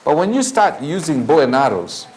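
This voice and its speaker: A man with a Kenyan accent hosting a morning show, reading news in a halting, opinionated way with rhetorical questions. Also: fairly high pitch, very animated, very noisy. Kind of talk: newspaper review with off-the-cuff opinion.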